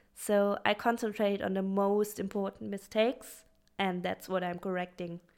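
In a very clean recording with a silent background, a woman talks at a moderate pace and medium pitch. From Freiburg, southwestern Germany (Baden-Württemberg). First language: German. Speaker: German language teacher. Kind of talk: casual interview chat.

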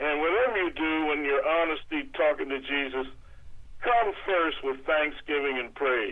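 A normal speaking voice from a man, fairly high in pitch, at a fairly slow pace. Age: 60s. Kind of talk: testimony.

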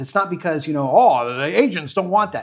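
On a very clean recording with a silent background, a man with a normal speaking voice talks at a fairly quick pace with lively intonation. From Florida, US (Cuban-born). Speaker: voiceover demo producer and musician. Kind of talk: interview. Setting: studio.

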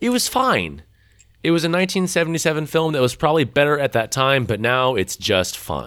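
The man's intonation is lively and his pace fairly quick. The recording is very clean, with a silent background. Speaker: podcast host. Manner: joking, dry.

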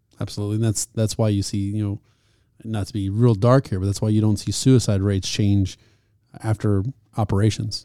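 A man talks at a fairly quick clip in a fairly low, dark, mellow voice. His delivery stays monotone and flat over a very clean recording with a silent background. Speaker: guest podcast host. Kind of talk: casual chat.

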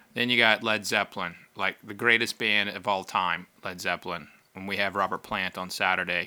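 A man with an American accent and an unremarkable speaking voice, fairly low pitch, fairly even intonation and moderate pace. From Oklahoma. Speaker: bourbon writer and festival curator. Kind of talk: casual interview.

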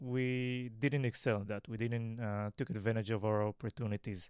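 On a very clean recording with a silent background, a man with an Israeli accent sounds dry and close, with no echo. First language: Hebrew. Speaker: podcast host. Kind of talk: interview. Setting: studio.

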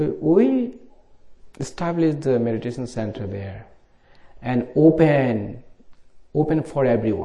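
A man's dark, mellow, somewhat breathy voice at medium pitch, fairly slow, with long, frequent pauses. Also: ordinary pitch variation. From Bangladesh. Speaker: Buddhist monk and meditation teacher. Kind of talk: dharma talk. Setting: meditation center retreat.

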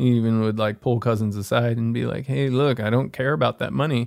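On a very clean recording with a silent background, a man has an ordinary speaking voice at medium pitch with ordinary pitch variation. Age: 40s. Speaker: hiker and traveler. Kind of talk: casual chat.

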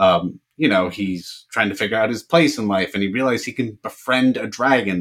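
This man has an ordinary speaking voice, pitched fairly low. His intonation is lively. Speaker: podcast host. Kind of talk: casual chat about movies.

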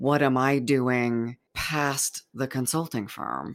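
Very slowly and with fairly even intonation, a woman talks in a very deep, low voice over a very clean recording with a silent background. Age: 50s. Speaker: podcast host. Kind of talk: casual chat.

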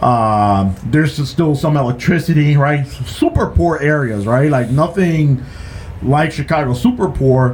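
Noticeable background noise sits behind a man speaking fairly slowly at a fairly high pitch. His loudness stays very even, and his pitch varies in an ordinary way. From Guatemala. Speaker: podcast host. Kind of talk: casual chat.

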